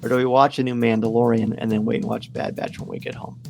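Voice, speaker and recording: Man, middle-aged, podcast host, casual enthusiastic fan talk, creaky edge, music behind. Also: medium pitch, little pitch movement, quick pace, darkish tone.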